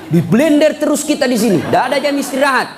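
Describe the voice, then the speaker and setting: A man's voice: very high-pitched, very animated, fast, some chatter behind, slight background noise. A man voicing a grumbling male hell dweller who complains bluntly.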